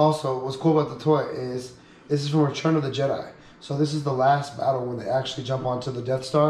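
Amid audible room echo, a man speaks at a very fast pace in a monotone, flat intonation. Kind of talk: casual vlog chat. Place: home room.

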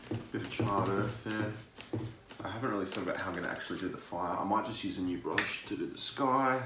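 This man speaks with an Australian accent at a very fast pace, his intonation fairly even. Noticeable background noise sits behind him. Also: fairly low pitch for a man. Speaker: guitarist and touring musician. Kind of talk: casual video tutorial. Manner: relaxed, with frequent fillers. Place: home room. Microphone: phone near.

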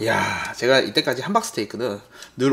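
With light background noise behind him, a man speaks at a very fast pace. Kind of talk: casual mukbang chat. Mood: cheerful, enjoying food. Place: home room. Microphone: webcam.

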